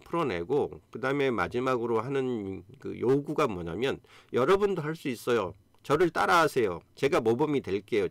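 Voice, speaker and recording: A man's voice: mid-range voice, no echo. A man in his fifties hosting a live stream, talking earnestly and encouragingly with many fillers. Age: 50s. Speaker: YouTube host. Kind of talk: casual live-stream talk.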